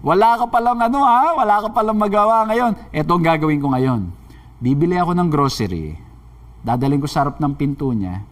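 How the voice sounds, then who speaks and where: A man's voice: on the high side, animated, brisk, lightly acted. A man with a Filipino accent voicing a scornful male neighbor who doesn't believe in God, taunting and mocking. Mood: scheming.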